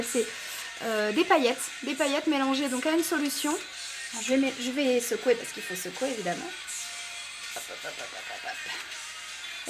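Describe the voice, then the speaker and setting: High-voiced chatty French woman vlogger. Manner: enthusiastic, chatty, many fillers. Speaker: beauty vlogger. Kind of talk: casual product review.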